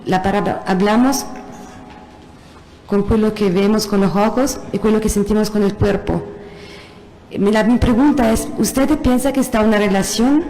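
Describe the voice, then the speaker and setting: A woman who is not a native Spanish speaker asks a panel a question, speaking haltingly as she searches for words. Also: medium pitch, warm tone, poor audio. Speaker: audience member asking a question. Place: university museum hall.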